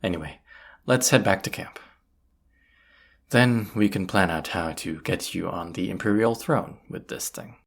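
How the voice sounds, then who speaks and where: An actor playing a gruff, teasing bandit leader in a roleplay audio drama, with a husky voice and a sardonic, folksy drawl. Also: sits low, unhurried, full character voice. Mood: wry, teasing.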